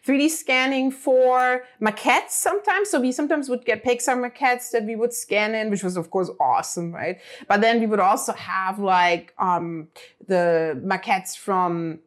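Middle-aged german-native woman, chatty, lots of ums and restarts, mid pitch. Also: measured pace. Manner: chatty, many fillers and restarts. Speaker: interview guest. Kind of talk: casual storytelling.

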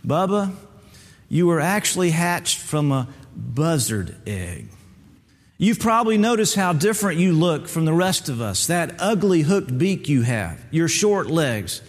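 A stern old male turkey mentor lectures earnestly, laying down rules in a preachy tone, as a man reading aloud puts him on. The voice sits slightly high and echoes with a long reverb, as if in a hall. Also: very animated, unhurried, full character voice. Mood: lecturing.

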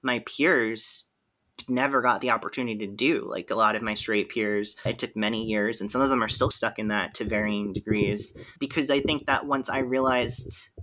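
Bright-voiced articulate man. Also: fairly low pitch, moderate pace, poor audio. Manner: articulate, animated, laughs often. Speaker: podcast guest. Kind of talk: candid conversational storytelling.

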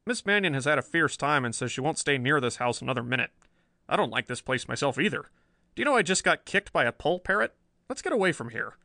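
A man voicing a frightened, excitable male policeman who pleads in a rushed, frantic way. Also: on the high side, no echo, studio quality, pitched above the performer's own voice. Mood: nervous.

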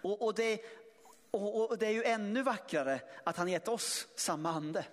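A man preaching a sermon, speaking emphatically with many restarts and sudden swells in volume. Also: sits high. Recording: long hall reverb.

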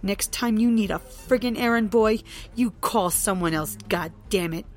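A woman's voice: lowish voice, measured pace, faint music behind. Woman playing Trixie, a sullen bitter daughter. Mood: furious. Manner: sullen, then sharp and scornful. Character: Trixie, bitter young woman defying her father.

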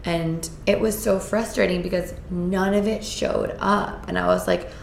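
Woman host, hoarse from a cold, gravelly low voice, earnest and upbeat, roomy echo. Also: very animated, unhurried, a little hiss or hum. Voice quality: raspy. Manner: upbeat, earnest, with filler words. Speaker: podcast host. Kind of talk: casual solo podcast talk. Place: indoors in Costa Rica.

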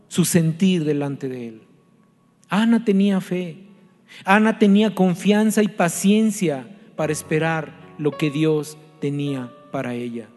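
A man preaching a sermon as a pastor, earnest and pleading, repeating questions to his listeners. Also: high-pitched. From Mexico. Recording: long reverb with soft music behind.

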